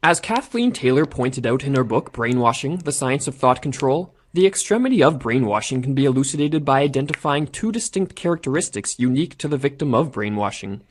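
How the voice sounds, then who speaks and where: A man reading a scripted documentary narration in a measured, formal way. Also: medium pitch, expressive. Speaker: narrator of an essay video.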